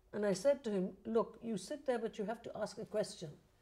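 The woman's voice is somewhat breathy. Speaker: interviewee. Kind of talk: interview answer. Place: meeting room.

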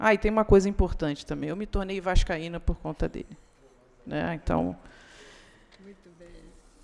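A woman at a moderate pace, with long, frequent pauses and big swings in loudness. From Rio de Janeiro, Brazil (Vila Isabel); Rio de Janeiro. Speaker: entrepreneur and investor. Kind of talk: acceptance speech. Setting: legislative chamber ceremony. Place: hall. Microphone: podium.

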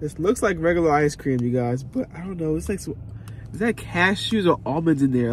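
Over light background noise, a man talks at a very fast pace, the sound dry with no echo. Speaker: delivery driver vlogger. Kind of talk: casual vlog chat. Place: car. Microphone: phone near.

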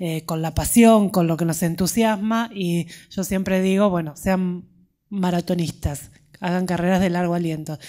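Against a quiet background, a woman with a dark, mellow tone and medium pitch speaks at a moderate pace with ordinary pitch variation. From Argentina. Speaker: journalist giving a talk. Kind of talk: talk to students. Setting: auditorium with audience. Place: hall. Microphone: studio mic.

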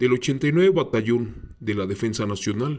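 The man has an unremarkable speaking voice, pitched medium with ordinary pitch variation. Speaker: horror story narrator. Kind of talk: scripted narration of a horror tale told in first person. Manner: slow, solemn, ominous storytelling.

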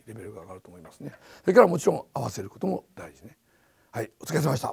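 This is a man speaking. His voice has vocal fry. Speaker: band instructor. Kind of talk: coaching feedback. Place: classroom. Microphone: lapel.

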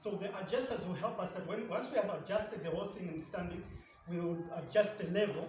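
Music plays in the background as a man with a high pitch speaks at a fairly quick pace with fairly even intonation, with audible room echo. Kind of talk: tutorial. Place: workshop.

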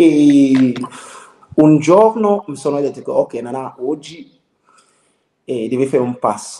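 A dark, mellow tone carries a non-native accent and lively intonation, with audible room echo. The pace is very slow, with long, frequent pauses. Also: man, fairly high pitch for a man. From outside Italy. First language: not Italian (speaking Italian). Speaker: guest. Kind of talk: casual chat. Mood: amused, relaxed. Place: home room. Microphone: video call.

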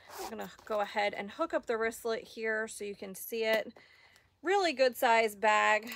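A woman with an unremarkable speaking voice, fairly high pitch, ordinary pitch variation, big swings in loudness and a moderate pace. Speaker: boutique sale host. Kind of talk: live sales pitch. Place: shop. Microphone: phone near.

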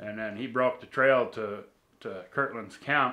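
A man with an American accent, bright and sharp in tone, with fairly even intonation. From Michigan. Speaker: hunting camp member; interviewee. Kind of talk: documentary interview. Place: kitchen.

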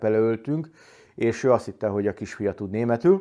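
Against a quiet background, a man speaks at a fairly quick pace. His tone is dark and mellow, his intonation lively. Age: 30s. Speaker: YouTuber. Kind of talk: casual vlog monologue. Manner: animated. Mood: annoyed, ranting. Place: home room. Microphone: lapel.

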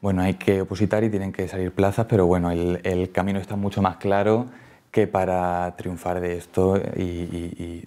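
At a moderate pace, a man with a very deep, low pitch and a dark, mellow tone talks in a monotone, flat way. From Spain, Torrevieja (Alicante); Spain. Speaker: playwright and director. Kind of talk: interview. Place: studio. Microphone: lapel.

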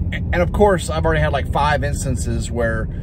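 Over noticeable background noise, a man speaks at a moderate pace with very wide pitch swings, in a dry sound with no echo. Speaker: vlogger. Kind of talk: casual vlog chat. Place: car. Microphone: phone near.

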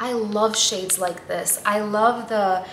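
A woman is talking while noticeable noise sounds in the background. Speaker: lifestyle vlogger. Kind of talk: casual vlog chat. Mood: excited, cheerful. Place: kitchen. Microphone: camera far.

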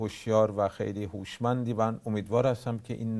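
This man has a fairly low pitch and a dark, mellow tone. He talks at a fairly quick pace with fairly even intonation over a quiet background. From Iran, Semnan; Iran. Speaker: sociologist; interview guest. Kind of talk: interview. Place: studio. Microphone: lapel.

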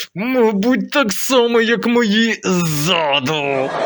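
A put-on character voice with a fairly high pitch speaks at a very slow pace. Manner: muttering through gritted teeth, dry.

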